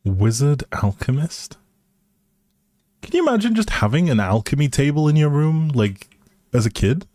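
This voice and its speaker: A man's voice: on the high side, very animated, normal speed, pauses often, warm tone, no room sound. A man hosting a game livestream, chatting casually and thinking aloud in an easygoing way as he plays. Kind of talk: casual livestream commentary while playing a life simulation game.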